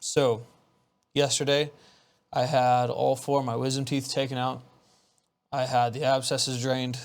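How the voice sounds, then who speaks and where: Mumbling at a moderate pace, a man speaks at medium pitch with monotone, flat intonation and long, frequent pauses. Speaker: guitar gear reviewer. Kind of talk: tutorial.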